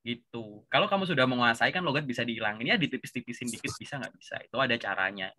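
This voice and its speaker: A man with a Javanese accent giving a relaxed, chatty coaching session and tagging his sentences with filler words. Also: mid-range voice, racing, a little hiss or hum. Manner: relaxed, chatty, says "gitu" constantly. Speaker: career coach.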